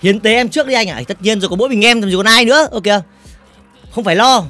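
A man livestreaming a game in casual chat, reading out viewer comments and teasing them, often repeating words in quick bursts. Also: sits high, bright, forceful tone, faint music behind. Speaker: gaming livestreamer.

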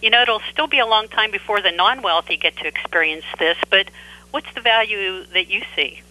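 A woman's voice: medium pitch, moderate pace, bright, forceful tone, a little hiss or hum. A woman reporter putting interview questions over a remote radio and telephone link. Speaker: news agency reporter. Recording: radio and telephone line sound.

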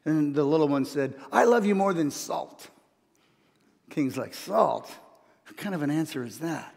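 A middle-aged man preaching a sermon from a church stage, telling stories and swinging from soft asides to loud emphasis. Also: fairly high pitch, expressive, measured pace, creaky. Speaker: pastor. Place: church stage, large hall. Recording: long church hall reverb.

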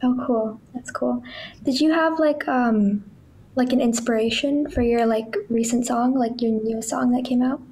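Hesitant woman with a high voice. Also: steady tone, unhurried, warm tone, slight background noise, poor audio. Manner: hesitant, many "like" fillers. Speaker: young guest singer asking questions. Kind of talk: casual questions on a video call.

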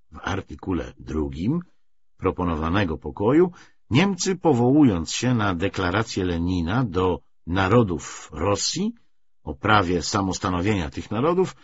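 Husky guy reading an audiobook, really animated intonation, bit dull lo-fi sound. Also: lowish voice. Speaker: audiobook narrator. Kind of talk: scripted literary narration, reading a historical novel aloud.

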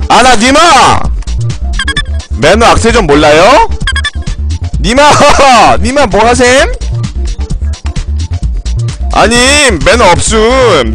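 A man streaming a video game live, shouting attack cries, trash-talking opponents and talking to his viewers. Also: high voice. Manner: theatrical address to viewers.

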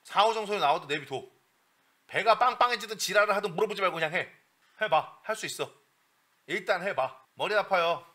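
A male vocal coach giving a lesson in a blunt, bossy, joking way with coarse slang, breaking into breathy falsetto demonstrations. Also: lively intonation, brisk, sharp tone.

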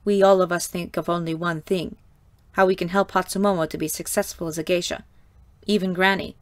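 A woman reading an audiobook, voicing a stern older woman who runs a geisha house, with a raspy, scolding voice. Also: fairly low pitch, steady tone, fairly quick, dry recording, close to an everyday voice.

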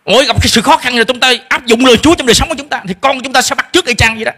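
A man's voice: very high voice, very fast, sharp tone. A middle-aged man preaching a sermon as pastor, emphatic, acting out parents' complaints in a shifting voice. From Vietnam.

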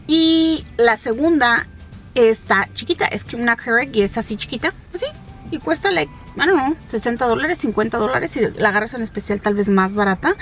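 A woman vlogger in her thirties talks casually and straight to her audience. Her voice sits a little high, and she drops English phrases into her chat. Light music plays faintly underneath. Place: home and car, Michigan.

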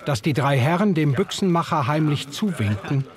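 A man narrating an audio drama in the first person, in a measured storytelling manner. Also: on the high side, animated, crowd noise.

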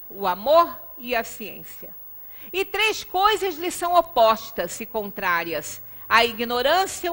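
A woman's voice: a little high, fairly bright tone. A middle-aged Brazilian woman giving a religious lecture in an explanatory, conversational way, emphatic, often checking in with short tag questions. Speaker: lecturer at a Spiritist center. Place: small indoor lecture room. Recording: reverberant meeting room, distant microphone.

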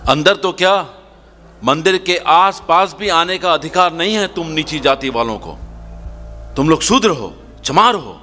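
A man playing a scornful high-caste temple priest. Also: expressive, measured pace, bright, forceful tone, slight background noise. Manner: scornful, contemptuous. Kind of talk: devotional stage play acting.

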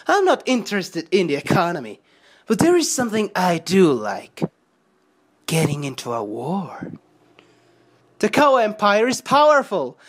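A woman voicing a cocky, sneering anime young man who loves war, with a smug, insolent drawl. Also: mid-range voice. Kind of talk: anime character impression.

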